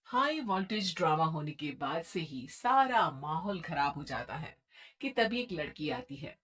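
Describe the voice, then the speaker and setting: A woman narrating a cartoon story in a lively, dramatic way. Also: low-pitched, unhurried.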